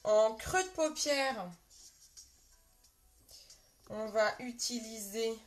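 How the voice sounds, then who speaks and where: A woman's voice: fairly high pitch, extremely slow, faint music behind. Chatty French woman on a live makeup stream. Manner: chatty, greets viewers by name, many fillers. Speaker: makeup seller and live host. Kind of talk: casual live makeup tutorial. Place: her bedroom.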